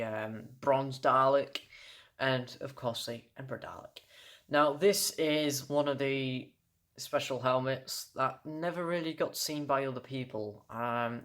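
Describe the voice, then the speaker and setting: A young British man reviews a collectible on video as a toy collector, speaking casually and off the cuff in a home-style setting. His fairly bright voice sits at an everyday male mid pitch, and he keeps stumbling over words and correcting himself.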